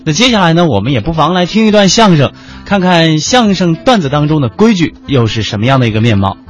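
A man hosting a radio culture program, introducing segments in a calm, explanatory way. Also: on the high side, quick pace. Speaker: radio host. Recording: muffled radio broadcast with music.

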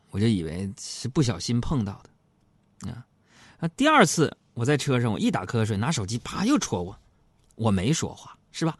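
Jokey radio host, lively voice. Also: male voice, mid-range voice, dry recording. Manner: jokey, chatty, addresses listeners directly. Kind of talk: comedic storytelling talk show.

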